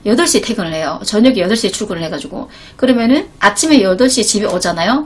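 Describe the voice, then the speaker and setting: Fast-talking husky streamer woman. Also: mid-range voice. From North Korea. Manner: chatty storytelling, emphatic. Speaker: live streamer. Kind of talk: casual chat to viewers.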